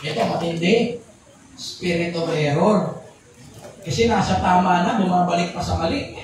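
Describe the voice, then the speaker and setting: A man's voice: high-pitched, normal speed, crowd noise. A man preaching a sermon, joking and quizzing his congregation with questions. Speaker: pastor. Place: church hall with congregation. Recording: echoey hall from far off with background noise.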